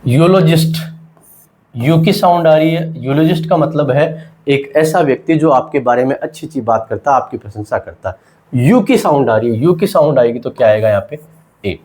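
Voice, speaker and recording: A man's voice: medium pitch, animated, normal speed, a little mellow. A man teaching a grammar lesson, asking rhetorical questions, voicing his students' questions himself and answering them. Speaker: English teacher. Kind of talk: classroom lesson.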